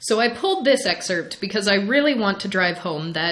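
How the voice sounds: The reading voice sounds natural, and its intonation is lively.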